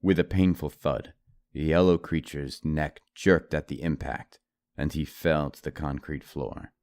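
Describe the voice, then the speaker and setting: A man reads a horror story as a dramatic audiobook narrator. His voice is very deep and dark, set over background music. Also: steady tone, a little slow, clear, resonant tone.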